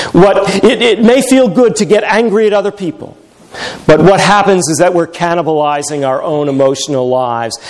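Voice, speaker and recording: A middle-aged male pastor preaching a sermon, telling stories with wry humor. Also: high voice. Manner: animated storytelling with wry humor.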